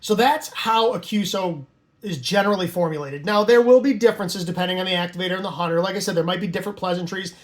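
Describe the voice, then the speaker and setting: A man's voice: sits high, fast talker. A man explaining radio operating lingo in an informal, conversational tutorial style, with casual asides. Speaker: amateur radio instructor and operator.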